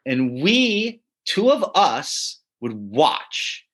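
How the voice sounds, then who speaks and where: Man chuckling through animated stories. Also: on the high side, drawn-out words. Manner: animated, chuckling, many restarts. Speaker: comedy writer and teacher. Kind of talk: casual interview storytelling.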